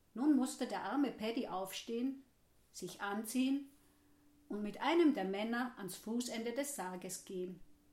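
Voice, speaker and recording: This woman has a fairly high pitch and ordinary pitch variation. Her pace is fairly slow. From Upper Austria. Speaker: storyteller. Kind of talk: storytelling, ghost story told aloud. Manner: suspenseful, hushed, dramatic pacing.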